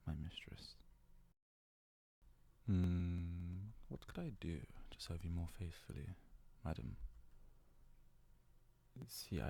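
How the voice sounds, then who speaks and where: A man playing a devoted, self-loathing yandere fox-boy servant in an intimate ASMR roleplay, hesitant and deferential, with a soft, breathy, gravelly delivery. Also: deep voice. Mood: adoring, then fervent devotion.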